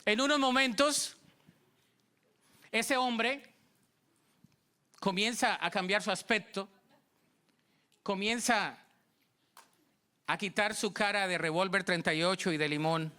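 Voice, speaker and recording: A Colombian man preaches in church with a high, bright voice. He tells his story with lively energy, acting out both sides of each conversation. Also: slow, pauses often, smooth. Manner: storytelling, acting out dialogue, animated. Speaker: pastor. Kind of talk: sermon.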